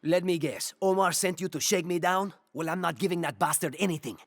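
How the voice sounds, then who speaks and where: A man's voice: high-pitched, brisk, dry recording. An actor playing a nervous, defensive black-market trader in a video game, jumpy and then pushing his wares. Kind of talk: video game cutscene acting.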